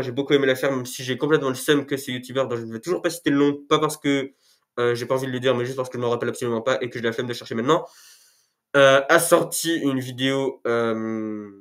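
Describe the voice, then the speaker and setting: A man's voice: medium pitch, a bit bright. Rambling joking French-speaking man with a cold. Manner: rambling, joking, self-mocking asides. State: has a cold, sniffly. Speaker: YouTuber. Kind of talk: casual talking-head video. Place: indoors at home, to camera. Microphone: camera mic.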